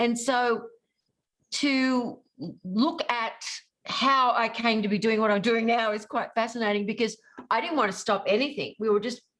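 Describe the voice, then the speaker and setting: This woman has a fairly high pitch and speaks with an Australian accent. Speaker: transformation teacher and former singer. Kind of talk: interview.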